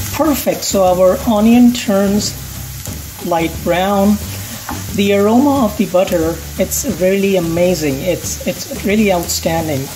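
A woman talks at a fairly slow pace with very even loudness. Her pitch varies an ordinary amount, and light background noise can be heard. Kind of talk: cooking tutorial. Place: kitchen.

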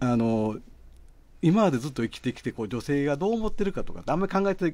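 Someone talks at a very fast pace, the pitch swinging very widely. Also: man. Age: 50s. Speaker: blogger and film fan; radio talk show guest or host. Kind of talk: casual chat. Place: studio.

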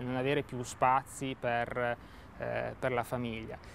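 A man speaks at a fairly slow pace over light background noise. The sound is dry, with no echo. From northern Italy, Brianza (Lombardy); Lombardy, Italy. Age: 40s. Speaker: deacon and care worker. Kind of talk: interview. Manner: halting. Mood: calm, reflective, hesitant. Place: garden.

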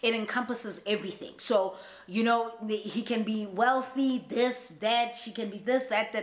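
Amid audible room echo, a woman talks at a moderate pace and a fairly high pitch with fairly even intonation. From South Africa. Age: 30s. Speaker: YouTuber. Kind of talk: casual vlog chat. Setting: at home. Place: home room.

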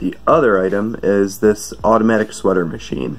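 A man's fairly low voice at a moderate pace, with faint music in the background. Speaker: reseller vlogger. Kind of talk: casual vlog chat. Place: kitchen.

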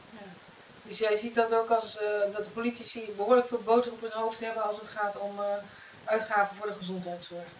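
A woman speaks at a fairly quick pace in a fairly high, monotone, flat voice. Audible room echo and light background noise come through. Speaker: interviewer. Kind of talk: casual interview. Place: home room. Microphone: camera far.

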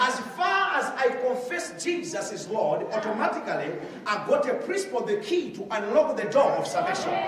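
A man speaks at an extremely high pitch with very wide pitch swings. Audible room echo and noticeable background noise surround him. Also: moderate pace. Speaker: preacher. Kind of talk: sermon. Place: church.

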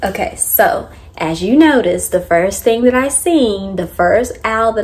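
A woman in a Southern US accent, upbeat in tone, at a fairly slow pace. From Greenville, South Carolina. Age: 30s. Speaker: stay-at-home mom, thrift haul vlogger. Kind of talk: casual talk to camera.

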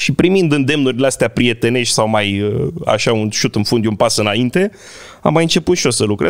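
A man talks at a fairly quick pace. His medium-pitched voice has lively intonation. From Romania, Călărași county; Romania. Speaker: cemetery historian and tour guide; podcast guest. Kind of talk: casual chat. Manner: fast. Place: studio. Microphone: studio mic.

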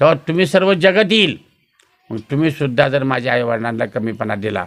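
This man speaks at a fairly high pitch. His pitch swings very widely. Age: 70s. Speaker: kirtan performer. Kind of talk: interview.

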